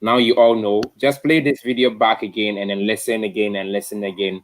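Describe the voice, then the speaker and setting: A man's voice: fairly low pitch, little pitch movement, a little fast. A man hosting an online tech talk in an informal, effusive way, often repeating himself. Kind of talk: informal live-stream hosting.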